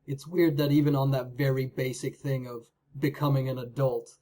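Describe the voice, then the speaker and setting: A man's voice: mid-range voice, level tone, moderate pace, warm tone. A man guesting on a podcast in casual chat, talking in a loose, hedging, self-deprecating way.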